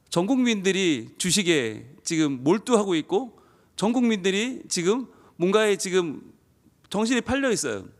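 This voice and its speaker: A male pastor preaching a sermon at a dawn revival service. He builds his points through rhetorical questions and draws out key words for emphasis. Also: sits high.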